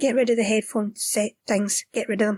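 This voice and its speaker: A woman speaks in a Scottish accent with a fairly high pitch. The sound is dry and close, with no echo. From Scottish Highlands. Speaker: podcast host. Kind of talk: podcast rant monologue. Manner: animated, exasperated.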